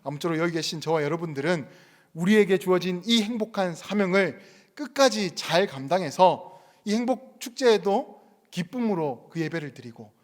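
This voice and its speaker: A man's voice: high-pitched, expressive, moderate pace, long reverb tail. A male pastor preaching a sermon, chatty and storytelling at first, then earnest and urging. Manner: conversational storytelling, rising to earnest exhortation. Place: church sanctuary.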